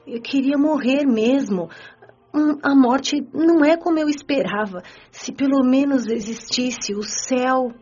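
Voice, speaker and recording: Whiny, tearful Brazilian spirit woman, high-voiced. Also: unhurried, darkish tone, husky. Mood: lamenting, indignant. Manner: whiny, lamenting, self-pitying. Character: tearful, discontented woman spirit in an afterlife colony. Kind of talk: Brazilian audio drama acting. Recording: dull lo-fi audio, music behind.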